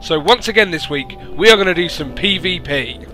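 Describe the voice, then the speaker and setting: A man, hoarse from losing his voice, hosting and commentating a strategy game by himself and rising to excited announcing at big moments. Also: a little high, moderate pace, faint music behind. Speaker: esports caster and show host.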